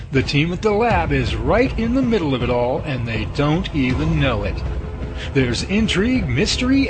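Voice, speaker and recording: Animated dramatic male narrator. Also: a little high.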